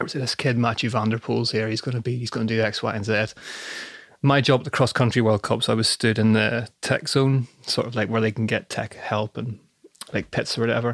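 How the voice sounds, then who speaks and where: The man's pitch is in the medium range. He talks at a very fast pace. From Northern Ireland. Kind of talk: casual interview chat.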